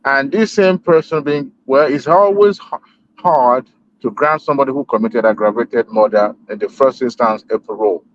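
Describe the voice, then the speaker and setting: A man speaks through a group voice chat connection, so his voice comes through dull and lo-fi. He sits at a middle pitch and argues in a measured way, pausing often on hesitation fillers. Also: slight background noise. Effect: heard over a group voice chat connection. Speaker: panel discussant. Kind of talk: debate on a group call. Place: at home in Texas. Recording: dull lo-fi online call audio.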